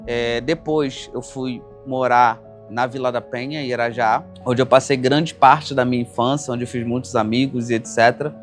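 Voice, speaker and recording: A man's voice: medium pitch, fairly even intonation, normal speed, few pauses, soft background music. A man from Rio de Janeiro, a company founder casually telling his life story, often ending phrases with "né?". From Brazil, Rio de Janeiro. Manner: casual, narrates with frequent "né?" tags. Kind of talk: documentary-style personal storytelling.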